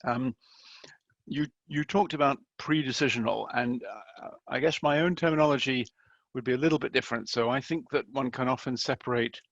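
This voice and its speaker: Measured man asking on a muffled call. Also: medium pitch, fairly bright tone, no room sound. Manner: articulate, measured, with restarts. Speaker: audience questioner. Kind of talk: academic question over video call. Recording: dull lo-fi video call audio.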